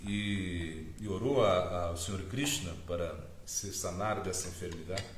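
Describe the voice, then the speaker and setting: Halting, low-voiced man preaching in an echoey room. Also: a little hiss or hum. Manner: mixes Spanish words into Portuguese, halting with many fillers. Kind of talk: sermon storytelling.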